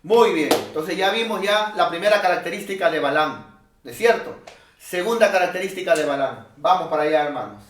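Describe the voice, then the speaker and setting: High-voiced preacher in an echoey room. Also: male voice, expressive, brisk, noisy background. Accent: Peruvian Spanish. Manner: emphatic preaching, swings from loud calls to low asides. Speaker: pastor. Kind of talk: sermon.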